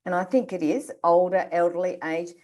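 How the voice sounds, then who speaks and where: A woman's voice: on the low side, normal speed, warm tone, dull audio. A woman moderating an online panel conversation, encouraging and steering the talk with questions.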